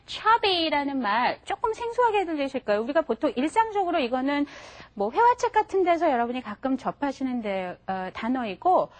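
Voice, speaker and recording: High, lively woman teaching a class. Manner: patient, chatty, models words for students to repeat. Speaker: English teacher. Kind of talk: classroom lesson for adult learners. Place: TV studio classroom.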